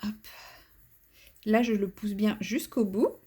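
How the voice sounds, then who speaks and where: Slowly and with a breathy edge, a woman talks through her coloring session for her channel, chatty and self-deprecating, full of fillers and restarted sentences. Her voice is mid-pitched and mellow, with fairly even intonation.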